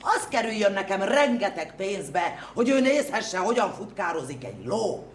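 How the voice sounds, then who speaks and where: A woman's voice: medium pitch, sing-song, lightly acted. An actress playing a bossy, nagging lady of the house in an old radio cabaret sketch, scolding and indignant. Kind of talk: 1930s radio cabaret acting. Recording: echoey, slightly hissy old radio recording.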